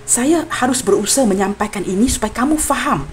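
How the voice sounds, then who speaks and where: A woman's voice: fairly high pitch, expressive, fairly quick, slight background noise. A young woman from Malaysia with a Malaysian Malay accent, giving a general tarot reading to her viewers in an earnest, apologetic way. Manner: earnest and apologetic, addresses viewers warmly as friends. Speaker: tarot reader.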